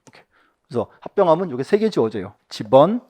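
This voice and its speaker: A male instructor walks through exam questions, his voice sitting a little high and swinging widely in pitch. He reads each item aloud and then quizzes his students with short rhetorical questions, sometimes dropping to a quiet aside. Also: sing-song, a little fast.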